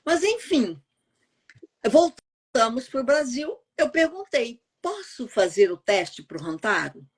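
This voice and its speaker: Woman, middle-aged, husky, slightly high voice, chatty storyteller on a call. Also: very animated, takes it slowly. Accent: neutral Brazilian Portuguese, no regional accent. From Goiás, Brazil. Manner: chatty, frequent "né?" tags, laughs easily. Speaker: voice actress and translator, podcast guest. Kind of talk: casual interview storytelling. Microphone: remote call.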